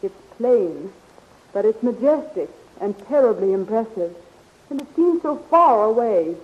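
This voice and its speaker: An actress playing a devoted young heroine in a 1930s radio serial, chatty, sweet and gently teasing. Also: female voice, fairly high pitch, lively intonation, unhurried. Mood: playful. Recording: muffled, hissy 1930s radio recording.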